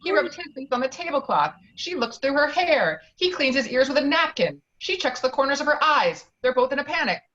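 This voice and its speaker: A woman's voice: sits high, sing-song, fairly quick, hardly any pauses, a bit bright. A woman reading out screenplay stage directions as the narrator of an online table read. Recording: dull, lo-fi online call audio.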